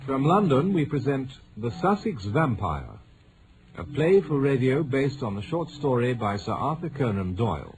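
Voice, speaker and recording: A man's voice: medium pitch, big pitch swings, normal speed, low-quality recording. A man acting as the formal announcer of a radio mystery play, reading a scripted introduction. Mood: dramatic, formal.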